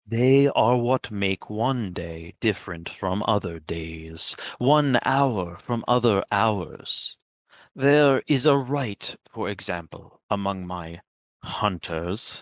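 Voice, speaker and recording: A man in a put-on character voice speaks at a very slow pace on a very clean recording with a silent background. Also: fairly low pitch for a man. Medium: audio drama. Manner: gentle, earnest.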